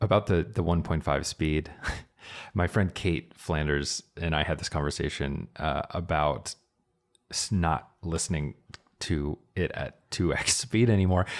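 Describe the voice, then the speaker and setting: A man's very deep, low voice with vocal fry, ordinary pitch variation and a fairly slow pace, on a very clean recording against a silent background. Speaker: podcast host and video creator. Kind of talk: casual interview chat.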